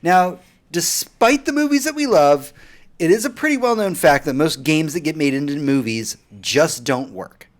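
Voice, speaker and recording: Lively man hosting a podcast. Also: a little high, normal speed. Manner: lively, steers the discussion. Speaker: podcast host. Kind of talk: casual podcast chat.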